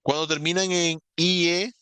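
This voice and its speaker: A man's voice: a little high, steady tone, measured pace, bright, forceful tone, clean tone, no echo. A man teaching English grammar in a recorded lesson, explaining patiently, repeating example words and checking in with his students.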